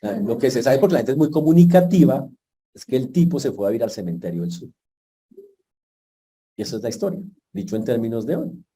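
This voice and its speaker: A man preaching a sermon as pastor, telling the story in a lively way with jokes and asides to the congregation. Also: medium pitch, brisk, long pauses.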